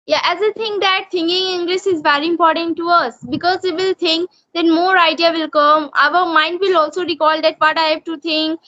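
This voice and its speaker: A young woman from Jharkhand with an Indian accent and Hindi as her native language, speaking English haltingly with many restarts. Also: very high voice, steady tone, pushed and bright, no echo, dull audio. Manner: halting, with frequent restarts and fillers. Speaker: English learner in a practice conversation. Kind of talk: casual conversation practice.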